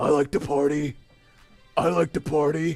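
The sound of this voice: A man's put-on character voice, fairly high in pitch, at a moderate pace with faint music in the background.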